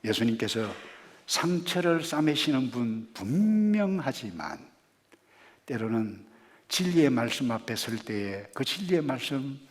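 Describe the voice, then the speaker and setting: A man with a medium-pitched, sing-song voice preaches a sermon as pastor in an unhurried manner. He drops to hushed murmurs, rises to loud, emphatic rhetorical questions and leads the congregation in reading scripture aloud.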